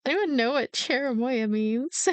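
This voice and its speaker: A woman reading a game's story aloud as a let's play host, with expressive narration and casual asides. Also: high voice, no room sound. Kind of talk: voiced narration with casual commentary.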